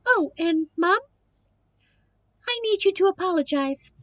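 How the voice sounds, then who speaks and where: A woman's voice: very high-pitched, expressive, a little slow, no room sound, highs cut off. A woman playing a young, devoted succubus girlfriend in an audio roleplay, earnest, emotional and protective. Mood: relieved, firm. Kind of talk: audio roleplay drama acting.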